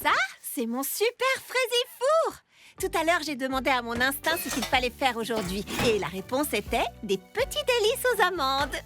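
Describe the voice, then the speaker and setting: A woman's voice: sits high, big pitch swings, normal speed, music in the background. An actress playing an upbeat young cartoon baker girl who cheerfully encourages her friends. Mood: encouraging.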